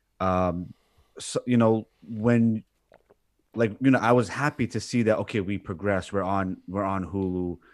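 In a very clean recording with a silent background and a dry, close sound with no echo, a man with a New York accent speaks at a fairly low pitch and a fairly slow pace with fairly even intonation. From New York, US. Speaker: co-host. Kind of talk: casual discussion.

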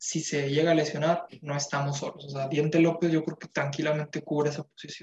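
Somewhat breathy and fairly high-pitched, a man talks at a fairly quick pace in a monotone, flat intonation, with hardly any pauses and big swings in loudness. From Escobedo, Nuevo León, Mexico. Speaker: podcast panelist. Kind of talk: casual sports chat.

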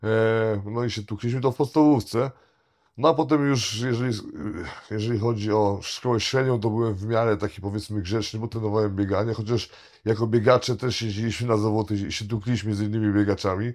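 On a very clean recording with a silent background, a man talks very fast at medium pitch with fairly even intonation. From Poland, West Pomerania (Stargard). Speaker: bare-knuckle fighter. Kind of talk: interview. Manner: halting.

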